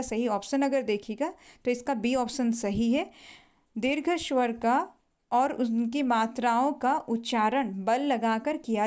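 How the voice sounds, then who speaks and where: A woman's voice: high-pitched, darkish tone. A woman teacher, patiently going through exam multiple-choice questions and repeating each answer. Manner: explains patiently, repeats each answer, often says "thik hai".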